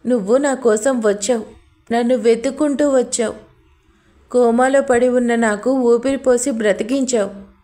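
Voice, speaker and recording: A woman's voice: on the high side, fairly even intonation, normal speed, warm tone, natural voice. A woman voicing an intense, devoted young husband in a storybook audio drama, speaking emotionally. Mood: pleading.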